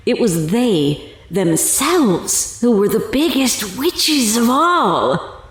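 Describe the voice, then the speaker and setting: A woman playing an evil, taunting cultist witch in a horror audio drama, gloating and mocking as she speaks. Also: medium pitch. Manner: gloating, mocking, slow and deliberate, cackling. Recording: very echoey, music underneath.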